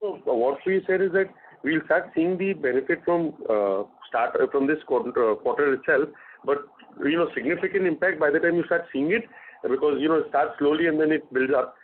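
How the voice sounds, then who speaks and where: A man with an Indian accent answering investor questions as a company executive on an earnings call, in measured, slightly hesitant phrasing. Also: a little high, slight background noise. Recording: narrowband phone conference line.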